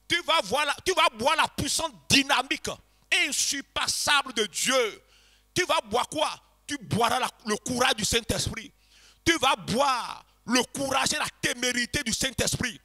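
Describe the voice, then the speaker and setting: A man preaching a revival sermon to a congregation, passionately shouting and chanting repeated phrases and leading them in prayer. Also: extremely high pitch. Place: church congregation.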